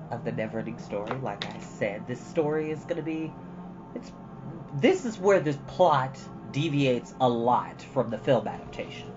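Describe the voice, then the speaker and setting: A storytime host with a medium-pitched voice, chatting casually and informally with rambling asides and reading from a storybook. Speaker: host of a storytime livestream, reading a novel aloud. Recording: dull lo-fi audio with background music. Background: ambient background music.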